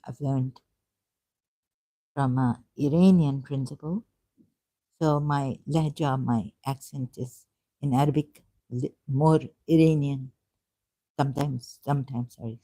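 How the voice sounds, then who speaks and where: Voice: medium pitch, steady tone, unhurried, long pauses, dark tone, poor audio. A vlogger talking in an unscripted monologue about religious texts, rambling and hesitant, often stopping and restarting and asking rhetorical questions.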